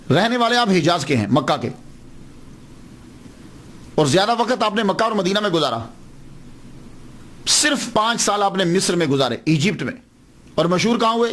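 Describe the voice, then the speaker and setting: A man's voice: sits high, sing-song, fairly bright tone. A man giving a religious lecture as a scholar, explaining step by step and asking questions he then answers. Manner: slows down to spell out names and words. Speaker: Islamic scholar.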